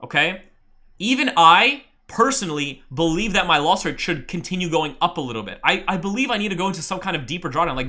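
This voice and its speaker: Mentor type, excitable and swears freely; bright, forceful tone with big pitch swings. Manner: excitable, bursts into loud exclamations, swears often. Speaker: trading mentor. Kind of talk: live webinar teaching.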